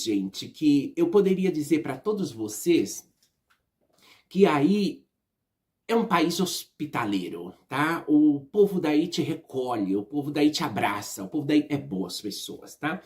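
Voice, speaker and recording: A woman's voice: extremely low pitch, a little mellow. A Brazilian woman with a Brazilian Portuguese accent, talking straight to her viewers in a casual opinion vlog, emphatic and repeating herself, often tagging "né?" and "tá?". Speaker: vlogger.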